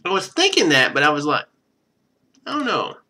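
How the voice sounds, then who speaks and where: A man doing casual game stream commentary, thinking out loud and reading text from the screen. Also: a little high, wildly swooping pitch, normal speed. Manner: thinks out loud, muttering to himself.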